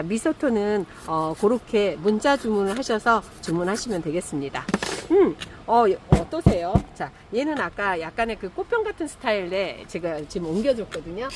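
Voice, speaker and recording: A middle-aged woman chatting casually while repotting succulents, animated and full of fillers. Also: mid-range voice, a little hiss or hum. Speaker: succulent grower and seller. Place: outdoor or greenhouse setup, rain in afternoon.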